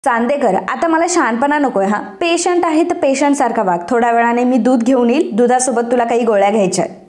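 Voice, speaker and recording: A woman's voice: a little high, fast talker, a little mellow, lightly acted. A woman voicing a bossy but caring young wife who scolds and gives orders. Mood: scolding. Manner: scolding, commanding.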